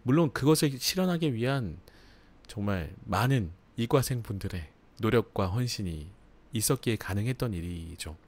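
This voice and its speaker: A man's voice: lowish voice, lively intonation, moderate pace, a little mellow, breathy edge. A man hosting a live book review, chatting casually with frequent laughs and fillers. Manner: chatty, laughs often, filler-heavy asides. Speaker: book channel host.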